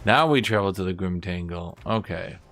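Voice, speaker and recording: A man's voice: low-pitched, moderate pace, fairly bright tone, a little hiss or hum. A man streaming a game, chatting casually and rambling to his viewers. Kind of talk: casual chat while gaming.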